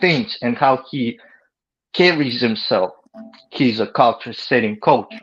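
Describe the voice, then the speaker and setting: With music playing behind him, a man speaks with lively intonation and a strong non-native accent. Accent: heavy foreign. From former Soviet country. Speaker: basketball fan guest. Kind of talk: casual chat.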